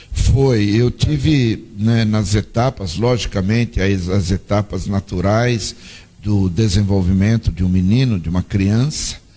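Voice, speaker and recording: A man's fairly low voice at a fairly slow pace, with ordinary pitch variation and very even loudness over noticeable background noise. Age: 60s. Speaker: pastor. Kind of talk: testimony.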